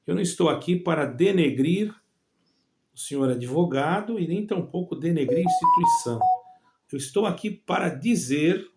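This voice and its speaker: A middle-aged man who grew up between Brazil and Portugal, hosting his own evangelical channel and speaking directly to fellow believers in a halting way, with many pauses and restarts. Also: a little high, lively intonation, very noisy.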